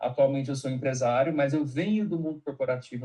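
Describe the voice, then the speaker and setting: A man speaks at a fairly quick pace in a somewhat breathy voice with a dark, mellow tone and ordinary pitch variation. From Brazil, interior of Goiás. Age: 30s. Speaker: sales trainer and entrepreneur. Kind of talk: podcast interview.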